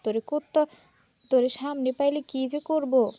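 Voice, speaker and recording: A woman voicing a hot-tempered, snappy young female college student in a read-aloud story, her voice high. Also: fairly even intonation, moderate pace, warm tone, no room sound, close to an everyday voice. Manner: scolding, snappy.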